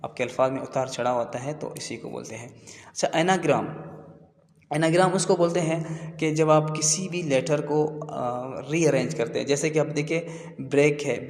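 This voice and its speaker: A man explaining English grammar terms in a slow, repetitive teaching manner. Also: mid-range voice, steady tone. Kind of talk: classroom lesson explanation. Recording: echoey room with long reverb.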